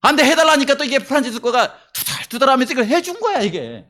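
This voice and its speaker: An extremely high-pitched male pastor preaches at a quick pace, his pitch swinging widely. He tells a story with dramatized quotes and questions for the congregation, moving between quiet murmurs and raised emphasis.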